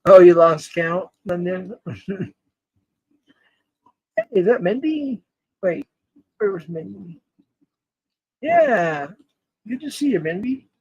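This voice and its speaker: High-voiced man in his forties, dry. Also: big pitch swings, slow, pauses often, darkish tone, husky, no echo, low-quality recording. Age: 40s. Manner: rambling, laughs often, talks to chat by name. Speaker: livestream host. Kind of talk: casual livestream chat reading comments.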